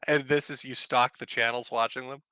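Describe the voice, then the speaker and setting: A man with a sharp, bright voice chats casually, laughing easily and asking blunt, crude questions. His pitch sits mid-range. The recording is dry and close. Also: fairly even intonation, brisk, clean tone, no echo. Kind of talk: casual chat.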